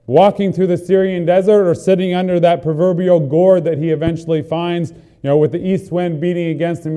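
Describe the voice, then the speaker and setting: A man delivering a sermon in an earnest way, stacking repeated phrases to build emphasis. His voice is fairly high for a man yet very dark and mellow in tone. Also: clean tone. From not from the country he is preaching in. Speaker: preacher.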